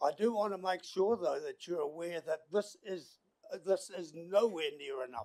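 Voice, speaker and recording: With a New Zealand accent, a man talks at a moderate pace in a high voice with ordinary pitch variation. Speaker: former councillor making a submission. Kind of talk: public hearing submission. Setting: council chamber with microphone. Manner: moderated volume due to hearing loss.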